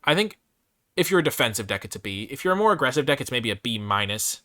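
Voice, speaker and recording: Animated, bright-voiced man reviewing game cards. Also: medium pitch, fast talker, no echo, studio quality. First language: English. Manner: opinionated, thinks aloud, hedging and revising his grades. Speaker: host reviewing trading card game cards. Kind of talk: casual off-the-cuff card review commentary.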